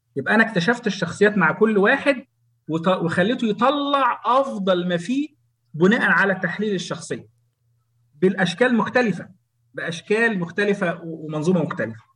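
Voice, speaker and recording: This man talks at a moderate pace in a high voice with lively intonation. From Egypt. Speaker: knowledge management expert. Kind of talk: interview. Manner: animated.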